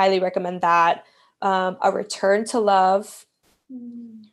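A woman speaks with an American accent in a plain, everyday voice at a medium pitch. Her intonation stays fairly even, and the recording is very clean with a silent background. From Miami, Florida (Dominican American family). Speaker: community organizer. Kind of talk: interview conversation.

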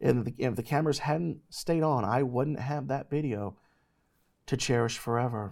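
At a moderate pace, a man speaks in a normal speaking voice at medium pitch. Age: 30s. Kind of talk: ministry talk show, testimony.

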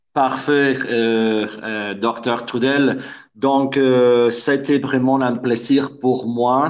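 The speaker is a man. He talks in a flat, monotone way. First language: not French (speaking French). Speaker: hospitality training company director. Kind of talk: interview. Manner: halting.

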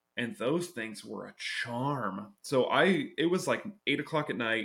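Intonation is lively as a man talks. He keeps a moderate pace. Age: 30s. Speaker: podcast co-host, healthcare worker. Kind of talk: casual chat. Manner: animated.

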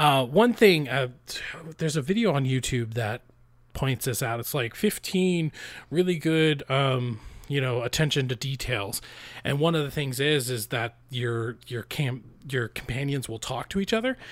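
An unremarkable speaking voice with an American accent moves at a fairly slow pace, with ordinary pitch variation. The recording is very clean, with a silent background. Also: man, medium pitch for a man. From Idaho. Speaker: video game podcast co-host. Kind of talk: casual chat.

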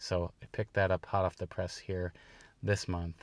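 A man's voice, dry and close with no echo, on a very clean recording with a silent background. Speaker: pediatric dentist and podcast host. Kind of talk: solo podcast monologue. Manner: fast.

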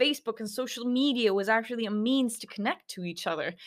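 A woman with an American accent speaks at a high pitch and a fairly quick pace, with ordinary pitch variation and a bright, sharp tone. The recording is very clean with a silent background. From Kosovo. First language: Albanian. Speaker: podcaster. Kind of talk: reflective solo monologue.

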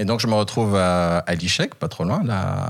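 Against noticeable background noise, a man speaks with a very deep, low pitch and ordinary pitch variation. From DR Congo. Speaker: filmmaker and actor. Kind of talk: interview.

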